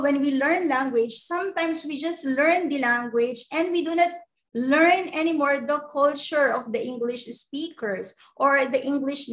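A Filipino woman whose first language is Ilocano, giving an online lecture over a video call and explaining patiently, often checking in with "okay?". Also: high voice. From Philippines.

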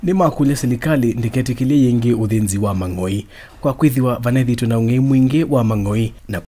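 A young adult man with a Kenyan accent and a slightly husky voice, reading scripted voice-over as a professional voice artist. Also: medium pitch, quick pace, dark tone.

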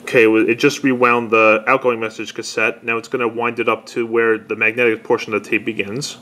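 A man's voice: mid-range voice, flat delivery, a little fast, background noise. Man giving a casual demonstration. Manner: conversational, explanatory, step-by-step. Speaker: presenter demonstrating an old answering machine. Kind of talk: casual unscripted product demonstration.

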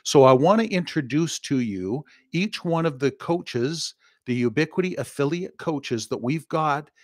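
A man's voice: a little high, expressive, unhurried, darkish tone, dry recording, clean studio sound. An older man hosting a podcast over a video call from his home office, chatty and upbeat, laughing easily. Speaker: podcast host. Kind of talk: casual podcast chat. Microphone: studio mic on arm, video call.

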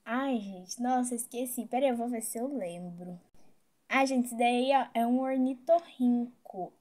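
Brazilian girl gamer, high mellow voice, chatty, keeps talking to her viewers. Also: normal speed. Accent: Brazilian Portuguese. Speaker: game vlogger. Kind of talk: casual game role-play narration.

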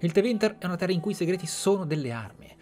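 A man's voice: high voice, lively intonation, very fast, mellow, faint music behind, pitched above the performer's own voice. Man doing a raised, earnest spymaster. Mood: scheming.

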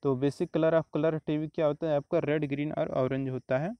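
A man's voice: a little high, normal speed, clean tone, no room sound, highs cut off. Man explaining exam answers, dry close sound. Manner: steady explanatory, repeats answers, frequent "तो देखिए" and "आपका". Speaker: exam prep teacher. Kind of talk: explaining exam questions over slides.

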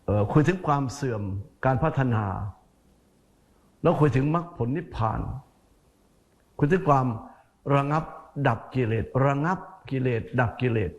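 A male Buddhist monk delivers a sermon in a folksy, conversational way. He speaks straight to his listeners and repeats key words again and again for emphasis, with a voice of ordinary middle pitch. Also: animated, unhurried. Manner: speaks to listeners directly as "sir".

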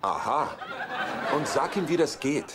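An actor playing a sly, mocking middle-aged bachelor in a dubbed sitcom. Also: male voice, fairly high pitch, lively intonation, a little slow, crowd noise. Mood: amused, teasing. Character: smug, teasing, worldly bachelor brother. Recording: noisy TV soundtrack with background ambience.

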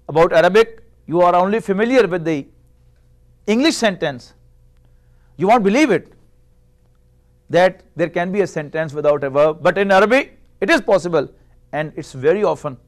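In a small room, a high-pitched middle-aged man, originally an Urdu speaker, lectures as an Arabic teacher on a lapel mic. His delivery is measured and explanatory, and he asks rhetorical questions.

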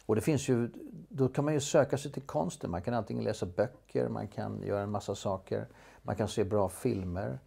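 In a relaxed storytelling interview, an actor speaks in a fairly low, creaky voice that is dark and slightly rough. He sounds hesitant, restarting often and filling gaps with filler sounds.

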